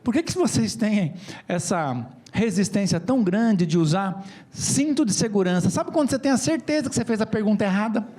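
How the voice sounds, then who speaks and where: São man, lively comic storyteller, high voice, slangy. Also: a little fast. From São Paulo, Brazil. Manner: animated, joking, slangy. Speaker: speaker at an event. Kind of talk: comedic storytelling talk. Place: stage at a conference.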